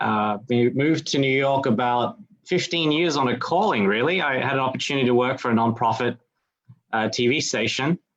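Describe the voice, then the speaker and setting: Ordinary pitch variation and a moderate pace accompany this voice with an Australian accent. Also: man. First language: not English. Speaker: digital marketer. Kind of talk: interview. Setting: livestream.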